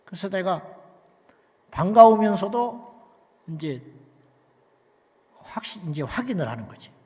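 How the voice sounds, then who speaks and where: High-pitched pastor guy preaching, goes soft then loud, lots of rhetorical questions, big church echo. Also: very animated, moderate pace. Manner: emphatic, swings from hushed to loud, rhetorical questions. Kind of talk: sermon.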